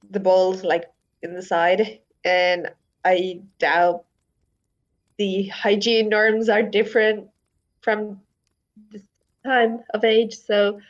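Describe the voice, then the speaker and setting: A woman's voice: mid-range voice, muffled recording. A woman describing her character's actions, hesitant with fillers. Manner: slow, hesitant. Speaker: player. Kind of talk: casual game chat.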